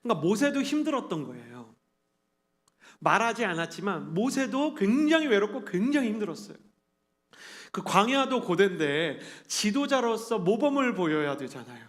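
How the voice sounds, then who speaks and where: A man in his thirties preaching a sermon to a young adult congregation, earnest and animated, acting out quotes as he tells stories. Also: high-pitched, normal speed. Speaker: pastor. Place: church sanctuary.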